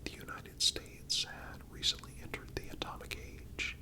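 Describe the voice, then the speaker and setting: A man narrating a scripted documentary-style story as ASMR in a breathy, unvoiced whisper, with deliberate phrasing and frequent pauses.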